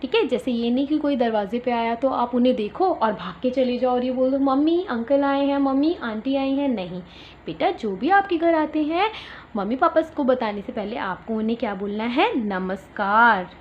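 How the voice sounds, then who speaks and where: High-voiced Indian woman teaching small children. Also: expressive. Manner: explains each English phrase slowly in Hindi, coaxing. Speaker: primary school teacher. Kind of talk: online class for young children. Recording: dull lo-fi home recording with faint noise.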